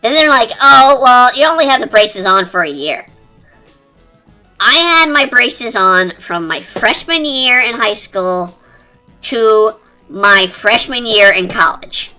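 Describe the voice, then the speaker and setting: A streamer talking through a high-pitched chipmunk voice changer in rambling, casual chat while drawing. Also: lively intonation, slow. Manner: rambling, chatty, lots of fillers. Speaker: art streamer. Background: quiet cafe-style background music.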